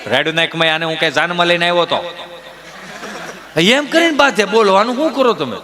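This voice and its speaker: Animated comedian on a stage. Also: male voice, high voice, brisk, a crowd in the background. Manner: animated storyteller who acts out family scenes. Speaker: stand-up comedian. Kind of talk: live stand-up comedy. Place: stage before a live audience. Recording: live show with loud audience laughter. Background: audience laughter.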